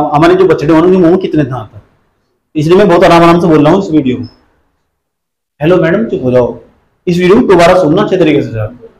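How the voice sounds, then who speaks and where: A man's voice: high-pitched, a little mellow, echoey room, low-quality recording. A man teaching an exam-prep lecture, repeating points again and again, quizzing and scolding his students. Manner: repetitive drilling, asks students questions.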